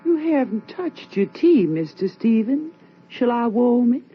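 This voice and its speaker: A woman's voice: on the high side, big pitch swings, unhurried, a little hiss or hum. An actress playing a devoted, anxious housekeeper who fusses over her master, in an old radio drama. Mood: anxious fussing. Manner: anxious, attentive, fussing. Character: fussing, devoted housekeeper woman. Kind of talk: 1940s radio acting. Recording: dull old radio recording.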